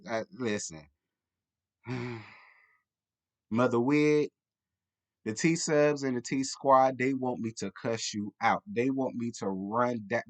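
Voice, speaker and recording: A man with an American accent delivers casual comedic commentary as a reviewer. He is blunt and sassy, leaning on slang. His delivery rambles in a loose, tipsy way, with an average pitch for a man. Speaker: reality TV reviewer.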